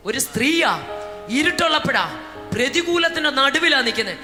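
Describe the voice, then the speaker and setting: A woman from Kerala preaching a Pentecostal sermon, moving between shouted speaking in tongues and soft storytelling, with praise words dropped between her phrases. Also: sits high, animated, moderate pace. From Kerala, India. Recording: reverberant hall with music behind.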